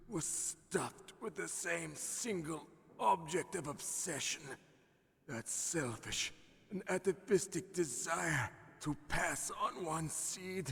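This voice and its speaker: An actor playing an eerie, menacing, misanthropic psychic villain in a video game, theatrical and sinister, with a breathy hissing rasp. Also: male voice, sits high, far from the mic, full character voice.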